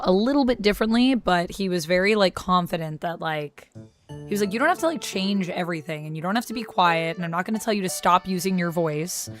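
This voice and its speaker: Chatty streamer woman with a low voice. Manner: chatty, reads chat aloud. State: recovering from vocal strain. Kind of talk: casual live-stream chat.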